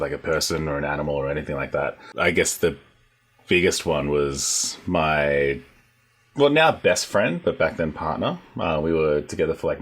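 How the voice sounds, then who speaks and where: An Australian man shares personal experience as a panelist in a casual way. His voice is extremely deep, with a husky, rough texture.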